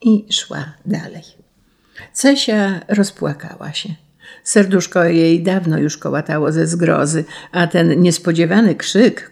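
A woman narrating a children's story in a measured, expressive reading. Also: deep voice, creaky, husky. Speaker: audiobook narrator.

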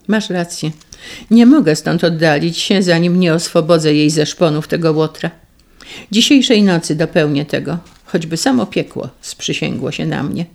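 A reader voicing a defiant young outlaw. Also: male voice, a little high, gravelly, a little mellow. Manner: solemn, resolute. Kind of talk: audiobook reading.

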